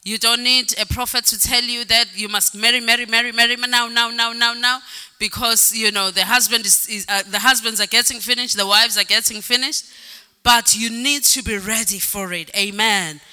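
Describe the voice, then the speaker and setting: A woman's voice: on the high side, fairly even intonation, normal speed, pushed and bright, clear, resonant tone. A woman preaching a sermon in a church hall, stressing points by repeating words and calling out "Amen". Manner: sings some phrases, varies pace. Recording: reverberant hall with faint music.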